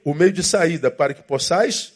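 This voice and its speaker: A pastor with a high voice preaches a sermon at a moderate pace. He drives his point home through emphatic repetition and by acting out inner voices.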